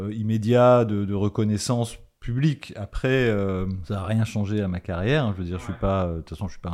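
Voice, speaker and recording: In a fairly low voice with ordinary pitch variation, a man talks with hardly any pauses. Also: very clean recording, silent background. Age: 50s. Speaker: documentary filmmaker. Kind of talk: interview. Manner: halting, many repetitions.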